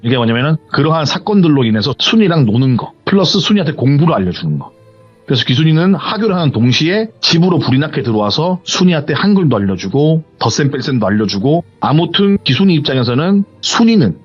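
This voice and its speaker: This man's husky, higher-pitched voice moves at a quick pace as he animatedly rambles through a viewer's horror story, framing it with hearsay endings. The sound is muffled, with faint background music.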